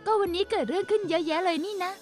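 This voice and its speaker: Very high-pitched kind young girl. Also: racing, a little mellow, faint music behind. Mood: hopeful, reassuring. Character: kind, chatty young servant girl, hopeful and reassuring. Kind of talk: dramatic motion-comic voice acting.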